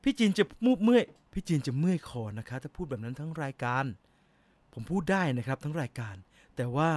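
A man's voice: on the high side, sing-song, brisk, darkish tone, no room sound. Middle-aged man, raised voice, chatty livestream host, dry close mic. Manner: chatty, laughs easily, talks in bursts. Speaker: livestream host answering viewer comments. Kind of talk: casual live chat.

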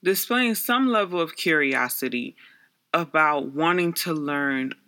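Young Bronx-raised man, native Garifuna speaker, slightly high voice, earnest reflective monologue. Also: expressive, unhurried, sharp tone. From Bronx, New York, USA. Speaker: social worker.

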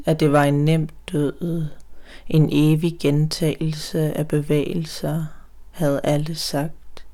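Langsame, dunkle Frauenstimme, poetisch rezitierend. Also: female voice, deep voice, warm tone, no room sound. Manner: measured, poetic reading. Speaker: reader. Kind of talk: literary recitation for an audio play.

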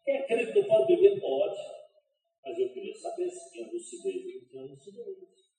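A middle-aged man preaching a sermon, telling family stories with emphatic swings in loudness. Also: sits high, huge pitch swings, a little fast. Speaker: pastor. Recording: echoey church hall from far off.

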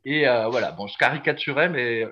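A man's voice: mid-range voice, fairly quick, pushed and bright. A middle-aged man co-hosting a sports podcast, chatting casually and teasing his partner with jokey stories. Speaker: podcast co-host. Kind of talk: casual chat. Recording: dull lo-fi sound.

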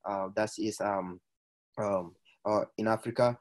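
A man's voice: lowish voice, fairly even intonation, a little slow. A man, a podcast guest recounting his life in a hesitant way, with frequent filler sounds and restarts. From Ethiopia. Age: 20s. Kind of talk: personal storytelling in conversation.

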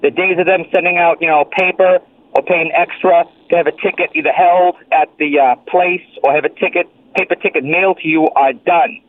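A man's voice: a little high, fairly even intonation, brisk, dry recording. A male caller on a radio show, heard through an old flip phone, rambling politely through a complaint. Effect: old flip phone call. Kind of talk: call-in radio chat. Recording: tinny flip phone line.

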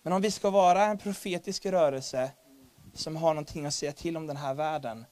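Man, sermon, animated, humorous, emphatic, fairly high voice. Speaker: preacher.

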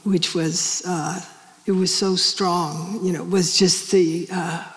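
A woman in her seventies speaking slowly to a live audience, halting and searching, with many pauses and restarts. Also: on the low side, flat delivery. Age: 70s. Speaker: speaker on end-of-life care at a public talk. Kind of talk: reflective talk to a live audience. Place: large hall with an audience. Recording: long hall reverb.

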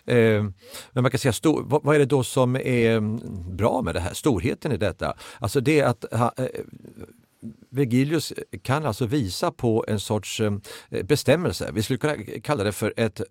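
A man's voice: mid-range voice, expressive, darkish tone, dry recording, clean studio sound. A man speaking as an expert guest in a podcast discussion, lecturing with frequent hesitations.

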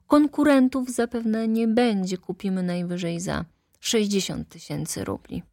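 A woman voicing a talkative older male lawyer who speaks in an animated, insistent way. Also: medium pitch, unhurried, vocal fry, no room sound, studio quality, voice pushed up. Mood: persuasive.

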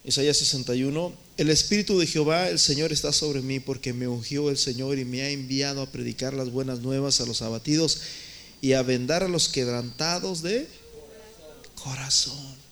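A man's voice: medium pitch, normal speed, a bit bright. A man preaching a sermon as pastor, calling his listeners brothers and swinging his voice up and down for emphasis. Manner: addresses listeners as brothers, rising and falling emphasis. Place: church in the United States.

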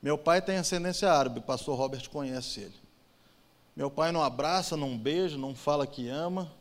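A man's voice: on the high side, fairly quick. Emotional testimony, man in a reverberant hall. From Brazil. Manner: emotional storytelling, swings from loud to hushed. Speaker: church testimony speaker. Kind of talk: personal testimony in church.

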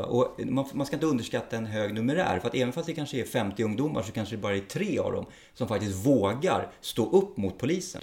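A man's voice: medium pitch, darkish tone. Frank, plain-spoken middle-aged policeman. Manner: frank and blunt, plain-spoken with occasional swearing. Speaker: police officer. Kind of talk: casual interview talk.

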